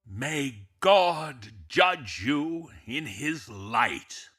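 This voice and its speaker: An actor playing a grave village mayor in a horror audio drama, speaking quietly and reverently as one passing sentence. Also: male voice, medium pitch, lively intonation, drawn-out words, background noise. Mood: solemn sorrow. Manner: quiet, solemn, almost reverent.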